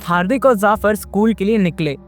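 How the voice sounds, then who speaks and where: A man narrating a scripted horror-fantasy story in a lively, dramatic way. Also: high voice, a little fast.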